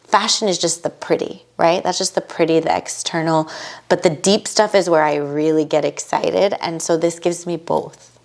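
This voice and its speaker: A woman from the United States, a guest on a podcast, talking in a casual, animated and emphatic way with many quick asides. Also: low voice, gravelly. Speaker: podcast guest, bridal fashion entrepreneur. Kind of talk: casual conversational interview.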